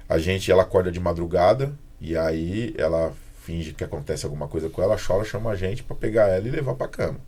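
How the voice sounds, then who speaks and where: A man's voice: low voice, fairly quick, hardly any pauses, breathy edge. A man from Brazil hosting a podcast, telling stories about his daughter in casual chat and acting out the kids' voices. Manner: animated storytelling, mimics his daughter and kids. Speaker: podcast host.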